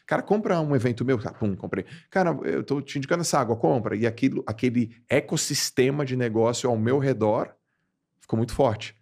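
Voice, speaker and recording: A man from Brazil in his forties, a podcast guest telling stories in casual slangy chat, with big jumps in pitch for emphasis. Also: a little fast, gravelly, a little mellow.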